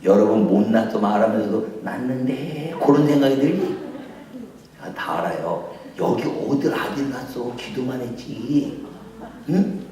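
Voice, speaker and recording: A male pastor preaching a sermon and telling stories, jumping between loud high acted voices and low quiet asides. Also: lively intonation, moderate pace, crowd noise. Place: church sanctuary. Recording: echoey church hall, mic at a distance.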